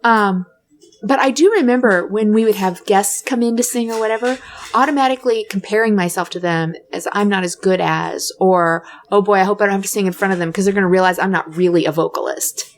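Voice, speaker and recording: A woman co-hosts a relaxed podcast conversation, working through her ideas reflectively. She hedges her points and often restarts mid-sentence with "I mean". Her voice sits at an ordinary middle pitch for a woman. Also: brisk. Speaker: podcast co-host.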